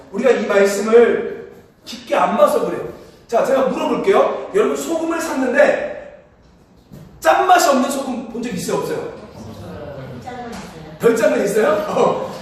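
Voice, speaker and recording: A male pastor with a strikingly high voice preaches to his congregation, firing questions at them and having them repeat his words, often with a chuckle. He is picked up from a distance, and his voice rings through a very echoey church hall. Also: expressive, normal speed, pauses often. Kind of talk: sermon. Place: church sanctuary.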